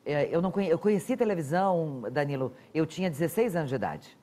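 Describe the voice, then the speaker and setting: A woman guest on a talk show, telling lively stories and laughing often. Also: deep voice, fast talker. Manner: animated storyteller, laughs often.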